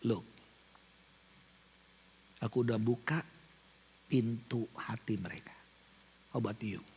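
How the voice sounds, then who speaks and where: A man in his sixties from Indonesia, a pastor, telling a story in an animated sermon and mixing in English phrases. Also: fairly low pitch, slow pace, a little hiss or hum. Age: 60s.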